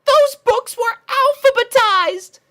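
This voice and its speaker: Man putting on a fretful, high-pitched girl pony. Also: takes it slowly, bright, forceful tone, full character voice. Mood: distressed. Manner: earnest, fussy, exasperated. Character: fretful, bookish young female cartoon pony, tense and exasperated.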